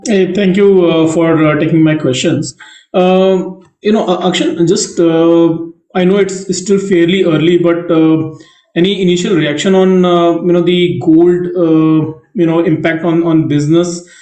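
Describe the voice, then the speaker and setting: A man speaking as a financial analyst, politely asking a question on an earnings call in halting phrases. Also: a little high, steady tone, dark tone. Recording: echoey roomy call audio.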